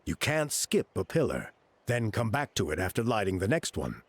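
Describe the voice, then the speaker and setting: An actor playing a patient, earnest tribal man in a video game, explaining a sacred ceremony in a measured, reassuring way. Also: lowish voice, wildly swooping pitch, dry recording. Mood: instructive. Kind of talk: video game character acting.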